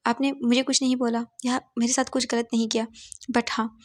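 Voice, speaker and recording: A woman's voice: on the high side, level tone, brisk, dry recording, clean studio sound, lightly acted. A woman voicing an anxious young man who speaks earnestly and stammers, repeating words. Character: worried young man at his wife's bedside.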